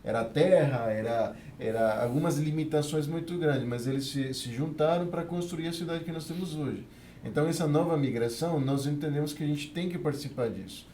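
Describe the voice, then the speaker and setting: Man, mellow voice, roomy sound. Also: fairly high pitch, fairly quick, slight background noise. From Venezuela. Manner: earnest, tags nearly every phrase with a questioning "né". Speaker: guest, immigrant community worker. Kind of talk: podcast interview, telling his experience.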